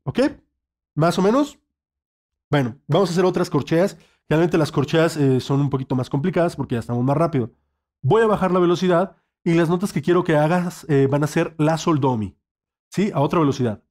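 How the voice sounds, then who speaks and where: A man's voice: a little high, fairly quick, darkish tone. A male saxophone teacher, giving an online lesson and checking in patiently with the student.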